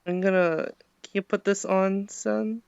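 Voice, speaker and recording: A man's voice: sits high, flat delivery, unhurried, vocal fry, clear, resonant tone, no room sound, muffled recording. A man streaming live, chatting casually with friends in a laid-back way and swearing freely. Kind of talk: casual chat.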